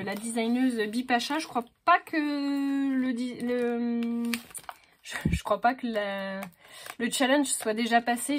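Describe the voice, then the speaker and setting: A woman's voice: a little high, slight background noise. A woman chatting casually as she unboxes craft stamps, hesitant and full of fillers, talking to herself as she sorts things. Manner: talks to herself while sorting items. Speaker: crafting vlogger.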